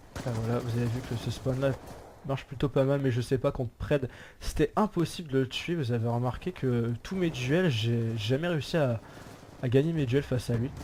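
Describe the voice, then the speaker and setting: A man talks at a moderate pace and medium pitch, with ordinary pitch variation. His tone is dark and mellow, and somewhat breathy. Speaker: gaming youtuber. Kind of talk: gameplay commentary.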